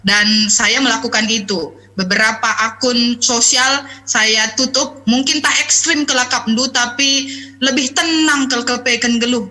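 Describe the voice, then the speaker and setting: A woman's voice: sits high, pushed and bright. A woman pastor giving a conversational sermon, chatty and anecdotal, with frequent hesitations as she talks.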